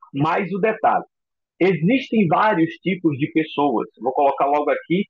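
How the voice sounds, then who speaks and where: High-voiced husky man teaching a class. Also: no room sound, lo-fi sound. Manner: expressive, acts out example voices. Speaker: psychoanalysis instructor. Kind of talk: recorded lecture.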